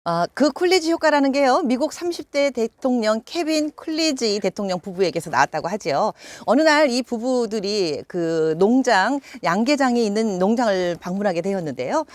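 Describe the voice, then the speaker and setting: A woman's voice: fairly high pitch, expressive, moderate pace, few pauses, no room sound. Chatty Korean woman telling anecdotes. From Chungcheong, Korea. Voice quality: chatty, with joking asides and fillers. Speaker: YouTube channel host. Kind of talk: casual storytelling talk to camera.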